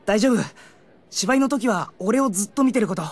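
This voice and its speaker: Husky, earnest teenage schoolboy. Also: female voice, on the high side, fairly quick. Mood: reassuring, confident. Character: earnest, nervous teenage schoolboy in a drama club. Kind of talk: Japanese anime-style audio drama acting.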